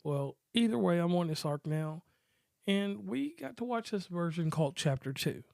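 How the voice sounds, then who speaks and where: Guy rambling through a movie review podcast, kinda high voice, dry close sound. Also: moderate pace, vocal fry, no room sound. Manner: relaxed, rambling, jokey. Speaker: podcast co-host. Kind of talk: casual movie review chat.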